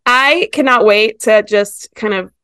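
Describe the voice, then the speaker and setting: Podcast host, woman, 30s, from Ecuador, chatty and bright, dry booth sound. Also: a little high, a little slow, clean tone, no echo. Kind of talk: casual chat.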